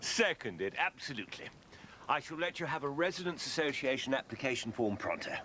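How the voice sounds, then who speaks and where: A pompous, proper neighbour, lively pitch, noise behind. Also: male voice, brisk. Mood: officious. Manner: formal, officious. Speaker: residents' association neighbour. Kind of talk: TV soap acting.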